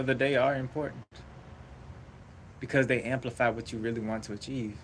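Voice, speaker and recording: A man's relaxed tone, fairly even intonation and fairly quick pace. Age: 20s. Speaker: podcast host. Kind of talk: casual monologue. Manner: relaxed, laid-back.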